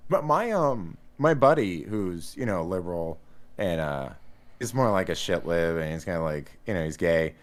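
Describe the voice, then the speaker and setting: A man in casual podcast chat, talking in an animated, rambling way with many restarts. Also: sits low, moderate pace. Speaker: podcast guest.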